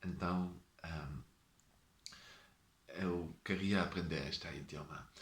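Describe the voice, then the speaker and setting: A man speaks very slowly in a very deep, low voice with vocal fry. Long pauses come often. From Netherlands. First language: Dutch. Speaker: language learning youtuber. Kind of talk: casual vlog talk. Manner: halting, many fillers.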